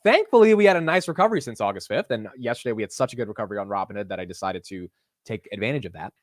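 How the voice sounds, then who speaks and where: A young man with a deep voice hosting a live market stream in casual, animated chat. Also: rapid-fire, dry recording, clean studio sound. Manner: animated, says "dude" and "like" a lot.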